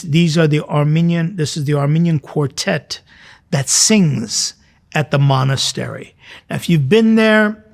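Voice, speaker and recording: A man acting as a priest hosts a church programme, talking informally and explaining things straight to his viewers in a conversational manner. His voice is a little high.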